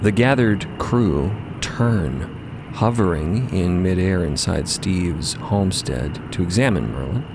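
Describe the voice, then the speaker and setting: Deep, slow man narrating a story. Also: lively intonation, gravelly, noisy background. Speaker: podcast narrator.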